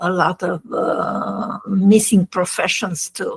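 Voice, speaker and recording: Someone speaks at a very slow pace with an Italian accent. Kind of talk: seminar discussion. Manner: hesitant, many fillers.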